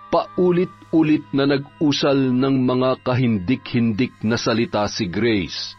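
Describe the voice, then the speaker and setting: Male storyteller reading a horror tale. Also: medium pitch. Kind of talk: scripted horror story narration. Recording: slightly dull, faint music.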